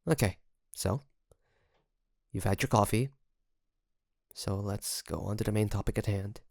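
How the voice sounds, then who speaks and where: Creaky-voiced, secretly obsessive best friend played by a man. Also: on the low side, a little mellow, dry recording, studio quality. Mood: casual, coaxing. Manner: hesitant, coaxing, with sighs and pauses. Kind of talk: intimate roleplay audio drama monologue.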